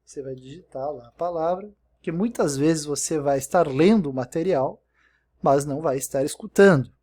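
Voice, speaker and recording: Guy teaching english, kinda high but mellow voice, patient, keeps saying né. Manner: patient and explanatory, often checking in with "né?". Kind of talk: recorded screen-share lesson.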